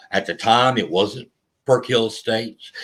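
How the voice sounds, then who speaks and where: In a very clean recording with a silent background, a man speaks at a medium pitch. He drawls in a Southern US accent. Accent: slow Southern drawl. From US South, North Carolina (Goldsboro, Wayne County). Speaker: talk show host. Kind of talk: personal memoir talk. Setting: on camera livestream. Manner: slow drawl; halting, many fillers.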